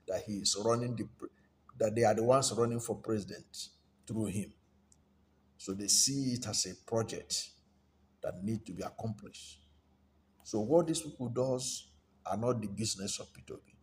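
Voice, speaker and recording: Nigerian male commentator, lowish voice, deliberate and halting off-the-cuff delivery, noticeable background noise. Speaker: political commentator. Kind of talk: unscripted political commentary. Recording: steady background noise, room ambience.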